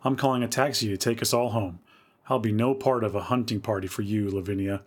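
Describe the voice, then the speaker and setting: A man's voice: lowish voice, fairly even intonation, a little fast, close to an everyday voice. A man reading the part of a stern, fretful woman in a dramatic story reading. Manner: stern, worried.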